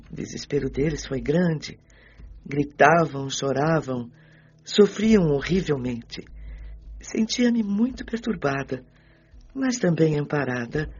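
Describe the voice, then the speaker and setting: A man voicing the anguished spirit of a devout sixteen-year-old girl, husky and earnest, in an audiobook drama. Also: a little high, a little mellow. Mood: sorrowful, subdued. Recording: dull lo-fi audio with music underneath.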